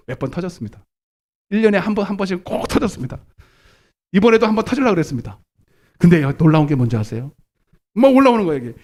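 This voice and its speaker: Animated male pastor preaching live. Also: sits high, moderate pace, pauses often. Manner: animated preaching, calls congregation to repeat, swings from shouts to murmurs. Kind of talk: live sermon. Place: church sanctuary.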